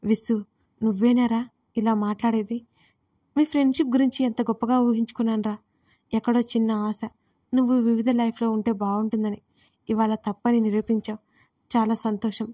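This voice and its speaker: A woman's voice: on the high side, little pitch movement, moderate pace, pauses often, dark tone, lightly acted. A woman voicing a blunt, protective older sister who speaks firmly and scolds. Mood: bitter. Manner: firm and scolding.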